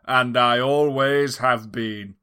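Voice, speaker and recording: A man putting on a slow, grandiose mad scientist. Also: medium pitch, fairly even intonation, bright, forceful tone, clean tone. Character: pompous fat nerd mad scientist man.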